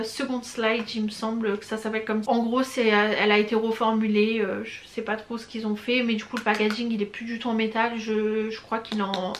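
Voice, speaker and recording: Young female vlogger, slightly high voice, chatty and effusive, casual review tone. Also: a bit bright. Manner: chatty and gushing, many hesitations and slang. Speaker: beauty vlogger. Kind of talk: casual product review chat.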